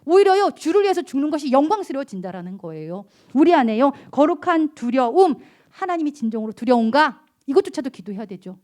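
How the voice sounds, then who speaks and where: 청소년부 학생들에게 설교하는 중년 여성 목사로, 기도와 아이들 말투를 흉내 내며 생동감 있게 말한다. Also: female voice, sits high, brisk, hardly any pauses. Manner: animated, acts out prayers and kids' voices. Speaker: youth pastor. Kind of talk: sermon to teenagers.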